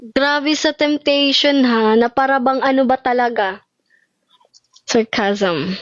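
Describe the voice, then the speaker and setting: A woman's voice: high voice, a little slow. A young woman from the Philippines with a Filipino accent, chatting playfully with viewers on a livestream. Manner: playful, mixes English with Tagalog. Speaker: idol livestreaming to fans. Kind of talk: casual chat with viewers. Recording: echoey, dull livestream audio with faint music.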